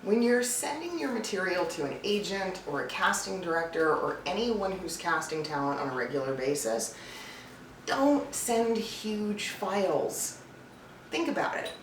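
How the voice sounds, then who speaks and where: Her voice lowish and animated, this woman moves at a measured pace as she gives casual, emphatic advice to listeners. She's a voice-over coach and casting director on a vlog that feels scripted, recorded to camera with a far-off mic, roomy echo, and slight noise.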